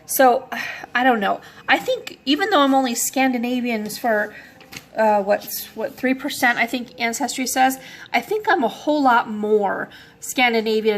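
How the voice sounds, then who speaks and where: A woman in her forties talking casually to camera, rambling with many pauses and fillers as she thinks aloud. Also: on the high side, fairly bright tone. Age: 40s. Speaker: vlogger.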